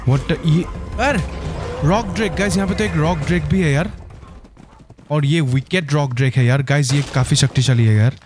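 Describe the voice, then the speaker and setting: Excitable male gameplay commentator. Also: fairly high pitch, normal speed, over music. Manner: excitable, keeps saying "guys". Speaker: gaming channel host.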